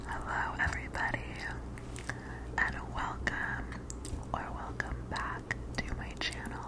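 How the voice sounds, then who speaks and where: Loud background noise sits under speech that moves at a fairly slow pace with long, frequent pauses. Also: woman. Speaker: ASMR creator. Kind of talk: ASMR name whispering. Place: kitchen. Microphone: studio mic.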